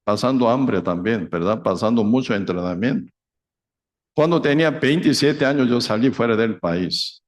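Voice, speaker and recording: A middle-aged pastor with a Korean accent delivers a sermon in halting, broken Spanish. He keeps checking in with his listeners through tag questions, and he raises his voice high and loud when he acts out a scene. His pitch sits at an ordinary middle level for a man. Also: animated.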